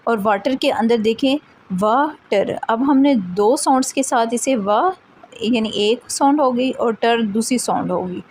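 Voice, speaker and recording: Woman teacher explaining slowly. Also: a little high, a little mellow, a little hiss or hum, low-quality recording. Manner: reads English definitions slowly and deliberately, explains casually. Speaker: English teacher, channel host. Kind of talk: explanatory lesson, mixing Hindi-Urdu and English.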